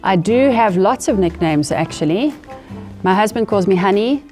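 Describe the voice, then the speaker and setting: A woman's voice: medium pitch, lively intonation, moderate pace, darkish tone, faint music behind. A middle-aged woman with a South African accent, chatting casually as a guest on a game show. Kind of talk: casual chat.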